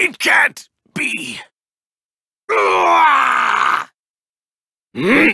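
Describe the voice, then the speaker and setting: In a dry, close recording with no echo, a man puts on a raspy character voice. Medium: dub. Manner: haughty, commanding.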